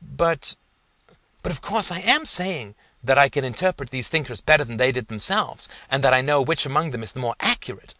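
A man's voice: medium pitch, expressive, brisk, sharp tone, no room sound, pitched above the performer's own voice. A man playing an earnest, insecure young male student who stammers and hesitates.

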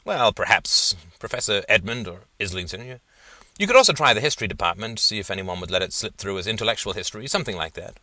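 A man's voice: on the low side, animated, fast talker, pushed and bright, no room sound. A man playing a bemused, condescending male professor who exclaims in disbelief. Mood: incredulous. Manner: incredulous, exclaiming.

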